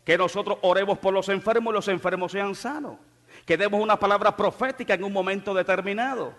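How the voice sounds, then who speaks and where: A male pastor preaching a fervent sermon in a church, rising to shouts when he gets excited. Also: high-pitched, brisk. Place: church hall. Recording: long church hall reverb.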